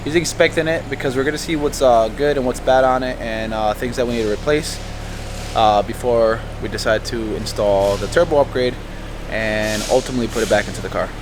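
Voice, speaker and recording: A man's voice: medium pitch, fairly even intonation, fairly quick. A man vlogging casually in an auto repair garage, explaining work on his car to the camera. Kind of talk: casual shop talk. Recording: noisy garage ambience.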